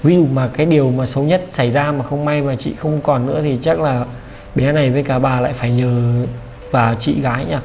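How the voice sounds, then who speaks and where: Soft-spoken man with a gravelly voice. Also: mid-range voice, steady tone, a little fast, slight background noise. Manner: soft-spoken, hesitant, repeats words. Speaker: vlogger visiting a family. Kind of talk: casual gentle interviewing, addressing viewers.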